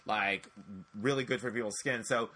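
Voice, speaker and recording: A man in his forties hosting a podcast, telling stories in a chatty, animated way with lots of restarts. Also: medium pitch, normal speed. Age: 40s. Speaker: podcast host. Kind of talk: casual podcast chat.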